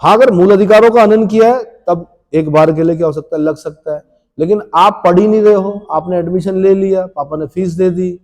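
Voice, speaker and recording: A man's voice: high voice, fairly quick, a little mellow. A man teaching a classroom lecture at a coaching institute, often repeating points and drilling questions back to his students. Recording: long hall reverb.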